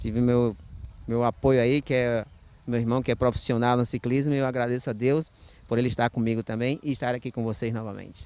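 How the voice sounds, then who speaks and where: The man's voice is monotone with flat intonation, and the sound is dry with no echo. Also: medium pitch for a man, fairly quick pace. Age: 40s. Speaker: cyclist. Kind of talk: interview. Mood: cheerful, grateful. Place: open country. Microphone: handheld.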